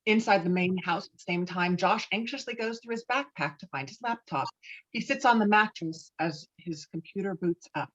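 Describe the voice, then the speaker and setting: A woman's voice: medium pitch, normal speed, fairly bright tone, highs cut off. A woman reading stage directions as the narrator of a dramatic script.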